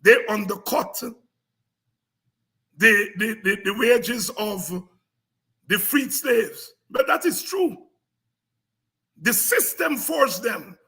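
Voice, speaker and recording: Raspy, impassioned Guyanese man, high-pitched. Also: lively intonation, slow, long pauses, pushed and bright. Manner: emphatic, repetitive, combative. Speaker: host of a politics and history talk programme. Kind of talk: impassioned informal history lecture to an audience.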